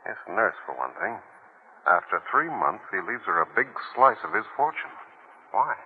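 An actor playing a shrewd, cautious defense lawyer, asking measured, probing questions, heard as an old radio broadcast recording. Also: male voice, on the low side, big pitch swings. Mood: urgent. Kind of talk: 1940s radio acting. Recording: thin, narrow-band old radio recording with faint hiss.

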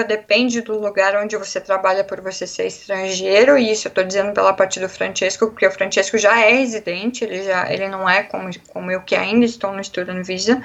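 A young Brazilian woman speaks in a Brazilian Portuguese accent, chatting freely as an interviewee and acting out quotes along the way. Her voice sits a little high, and the recording is somewhat muffled and lo-fi. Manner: chatty, animated storytelling with acted-out quotes. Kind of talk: casual conversational interview.

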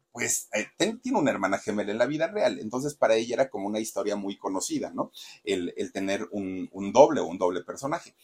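A man's voice: medium pitch, a little mellow, husky. A man telling celebrity gossip in a chatty, dramatic way, talking straight to the viewers. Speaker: host. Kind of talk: gossip storytelling.

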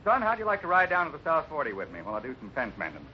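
Steady, lively-toned cowboy leader. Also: male voice, fairly high pitch, rapid-fire. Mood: fatherly. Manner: assured, plain-spoken. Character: steady, fatherly, hospitable cowboy ranch leader. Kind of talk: 1950s radio acting. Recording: muffled, noisy old radio recording.

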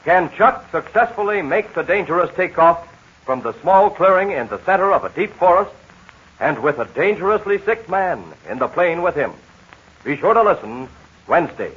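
Male 1940s radio announcer, American, very lively pitch, dramatic pitchman delivery, slightly rough muffled tone. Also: moderate pace. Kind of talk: 1940s radio announcer, scripted serial narration and sponsor pitch. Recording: muffled, tinny vintage radio broadcast.

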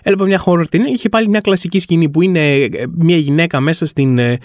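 A man's voice: on the high side, a little mellow, no room sound, studio quality. A man hosting a comic podcast, rambling through a wry, self-mocking monologue. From Greece. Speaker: podcast host.

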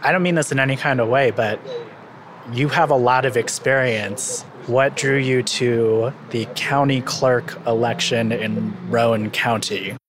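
A man's voice: medium pitch, measured pace, a crowd in the background. A man hosting and reporting a podcast, narrating a documentary story in a conversational, lightly self-deprecating way.

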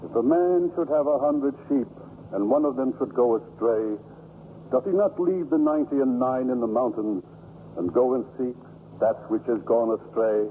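An actor playing a folksy, kindly and gently wry Catholic priest in a 1950s radio play. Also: male voice, mid-range voice, moderate pace, close to an everyday voice. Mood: wry, gentle. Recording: muffled, hissy 1950s radio broadcast.

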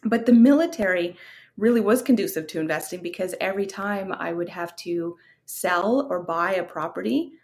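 Speaking at normal speed in a low, darkish voice, this interview guest is a real estate investor from Canada in her thirties. She recounts how her career unfolded in a relaxed, candid manner, using fillers along the way.

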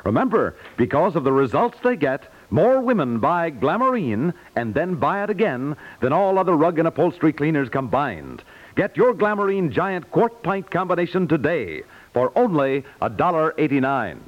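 High, animated American radio announcer man. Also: normal speed. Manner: polished, selling, emphatic. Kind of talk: 1950s radio commercial announcing. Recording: muffled 1950s radio recording.

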